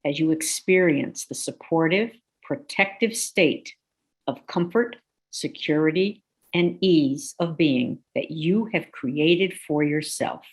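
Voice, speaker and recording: A woman leads a guided meditation, her voice low and unhurried. She speaks softly and gently, giving calm instructions with long pauses. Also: husky. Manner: slow, soothing, gently instructive.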